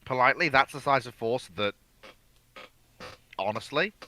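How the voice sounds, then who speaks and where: Bright-voiced man, wry panelist, noisy mic. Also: medium pitch, normal speed. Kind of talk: live panel discussion. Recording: clear background noise, clicks.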